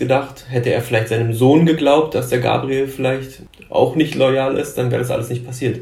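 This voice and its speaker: Over noticeable background noise and audible room echo, a man of medium pitch speaks at a moderate pace in a monotone, flat intonation. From Berlin, Germany. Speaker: film director. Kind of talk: casual interview.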